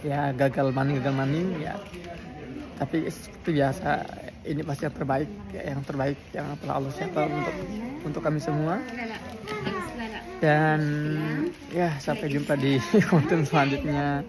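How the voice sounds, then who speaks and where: A man's voice: a little high, fairly even intonation, moderate pace, pauses often. Weary man talking over crowd noise. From Indonesia. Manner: chatty and earnest, with soft laughs. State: tired. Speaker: vlogger reporting from a border crossing. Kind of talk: casual vlog chat. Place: outdoors at a crowded border crossing, then a cafe. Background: crowd chatter.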